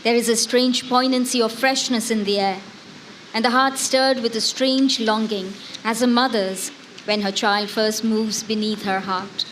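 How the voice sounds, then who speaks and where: Devoted, longing wife of a prisoner, played by a woman, higher-pitched, literary and expressive stage letter reading, faint noise behind. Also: measured pace, poor audio. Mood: tender, wistful. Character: devoted, longing wife writing letters to her imprisoned husband. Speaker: dramatic reader. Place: outdoor garden festival stage. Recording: live outdoor festival, faint background noise.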